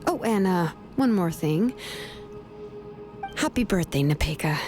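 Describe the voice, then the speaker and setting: A woman's voice: on the low side, expressive, a little slow, music in the background. An actress voicing an easygoing, protective young craftswoman in a video game, speaking casually and reassuringly. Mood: relaxed, encouraging.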